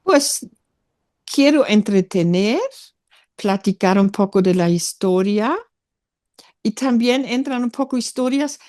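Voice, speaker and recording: An older woman, German by birth and first language, talks reflectively with frequent pauses and fillers. Her voice sits at an ordinary pitch. The recording is dry, with little room sound. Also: lively intonation, darkish tone, no echo. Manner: thoughtful, hesitant, many fillers. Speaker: author being interviewed. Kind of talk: reflective interview conversation.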